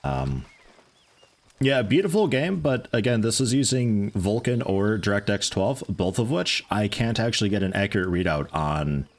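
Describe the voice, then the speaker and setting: A man streams a video game and chats with viewers in a low, soothing voice that still swings lively in pitch. He rambles casually between gameplay and chat. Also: moderate pace. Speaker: gaming livestreamer. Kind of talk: casual livestream commentary.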